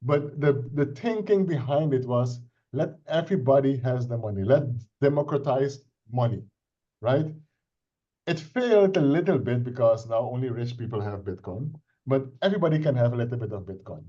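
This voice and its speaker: A man's voice: medium pitch, expressive, normal speed, dark tone. Middle-aged man with a Dutch accent, muffled call audio. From Suriname. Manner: earnest, explanatory, with frequent restarts and "right?" checks. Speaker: IT consultant presenting a crypto project. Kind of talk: casual self-introduction and explanation on a video call. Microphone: video call. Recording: dull lo-fi video call audio.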